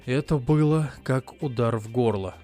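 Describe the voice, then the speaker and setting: A young man narrating an audiobook in first person, voicing his own lines in expressive dialogue. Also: medium pitch, unhurried, faint music behind. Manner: expressive, moving from quiet narration to heated outbursts.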